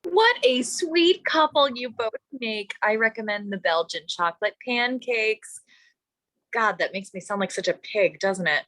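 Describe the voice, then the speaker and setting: A woman's voice: on the high side, animated, measured pace, fairly bright tone, no room sound, rough recording. A woman playing a gushing, self-deprecating cinema usher in a screenplay table read.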